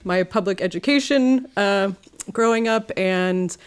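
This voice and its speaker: A woman from Los Angeles, a community organizer, speaking as an interview guest in a studio, warm and engaged, often checking in with "right?". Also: mid-range voice, measured pace, clear, resonant tone. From Los Angeles, United States. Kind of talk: conversational interview.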